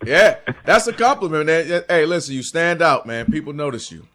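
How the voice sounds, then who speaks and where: Bright, excitable male radio host. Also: a little high, normal speed. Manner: excitable, stumbling restarts. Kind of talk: sports radio banter.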